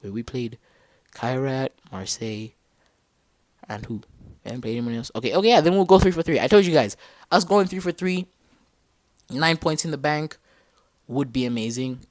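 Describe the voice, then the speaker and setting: Young man from Zambia, podcast host. Mid-pitched voice, casual and slangy, thinks out loud and backtracks, dry close recording. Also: fairly quick, no room sound. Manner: animated, slangy, thinks aloud and corrects himself mid-sentence. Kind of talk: casual solo football talk.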